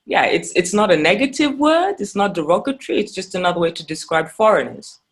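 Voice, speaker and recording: A man from Uganda who grew up in Kenya and the UK is interviewing a guest. His voice runs fairly high. He speaks in a measured, hesitant way with frequent ums. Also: expressive. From Uganda, raised in Kenya and the UK. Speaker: interviewer, filmmaker. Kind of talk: interview questions and dialogue.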